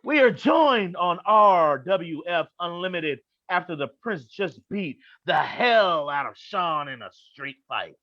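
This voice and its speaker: Animated male narrator, slightly lo-fi. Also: sits high, takes it slowly, few pauses, dry recording. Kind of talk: reading stage directions aloud. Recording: dull lo-fi microphone.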